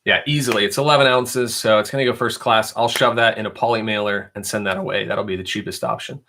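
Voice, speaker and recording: A man's voice: on the low side, fairly even intonation, quick pace, bright, forceful tone. A young adult man hosting a casual live stream, chatting in a rambling way and reading viewer questions aloud. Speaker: reseller livestream host.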